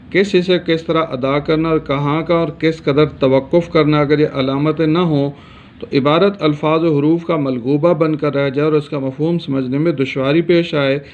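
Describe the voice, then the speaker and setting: A man from Pakistan gives a grammar lesson with a somewhat high voice. He explains steadily and fills pauses with hesitation sounds. The recording is dull and lo-fi. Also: slight background noise. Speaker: teacher.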